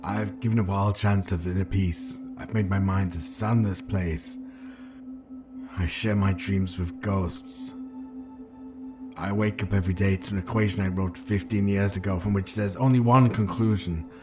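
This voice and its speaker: A man playing a brooding rebel spymaster who damns himself in a grave, deliberate dramatic film monologue. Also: low voice, fairly even intonation, over music, lightly acted. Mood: bitter, subdued. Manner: grave, deliberate, building to intense declamation. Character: brooding, self-damned rebel spymaster confessing his sacrifices.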